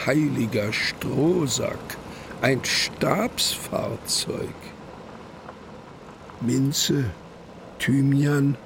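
A man playing a brooding poetic narrator in a literary radio drama, declaiming in deliberate short phrases. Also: medium pitch, creaky, background noise. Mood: wry, observing. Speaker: actor reciting poetry.

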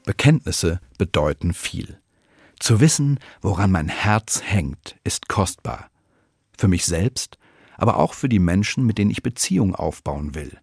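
A man from the church giving a scripted radio devotion with expressive, lively storytelling. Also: low-pitched, measured pace, gravelly, husky, soft background music. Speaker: church speaker.

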